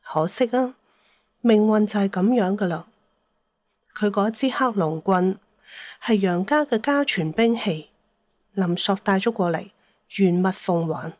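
A woman's voice: mid-range voice, lively intonation, unhurried, long pauses, darkish tone, dry recording, studio quality. A woman narrating a scripted dramatic story as an audiobook narrator.

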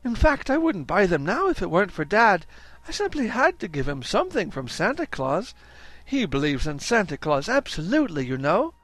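A man's voice: high voice, sing-song, moderate pace, fairly bright tone, no room sound, voice pushed up, exaggerated voice. A man voicing an eager, boastful twelve-year-old boy in a read-aloud story. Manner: eager, showing off.

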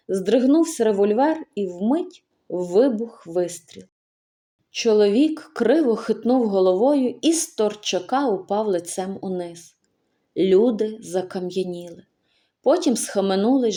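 A woman narrating a story audiobook in a measured, expressive reading. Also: medium pitch.

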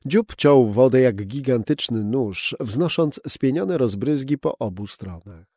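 Gravelly, lively male audiobook narrator. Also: medium pitch, measured pace, no room sound, clean studio sound. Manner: steady, expressive storytelling. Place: dry studio booth. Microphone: close studio mic.

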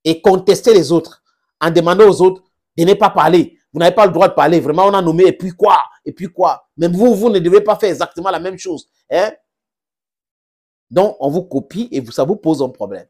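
A man speaks straight to his online viewers, firing off pointed rhetorical questions. His voice sits somewhat high for a man, with a challenging edge. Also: brisk, a little mellow. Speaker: online commentator introducing a clip. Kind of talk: opinionated commentary to viewers.

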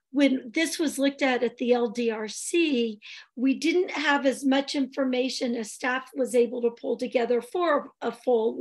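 Older woman, hoarse on a video call. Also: fairly high pitch. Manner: earnest, rambling, many fillers and restarts. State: losing her voice. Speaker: board chair. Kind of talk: public meeting deliberation. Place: home room, indoors.

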